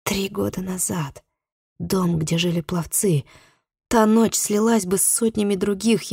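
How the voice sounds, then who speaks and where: A woman reads a first-person novel with a tense, expressive delivery. Her voice is lowish and mellow. The recording is close and dry. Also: gravelly, no room sound. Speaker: audiobook narrator.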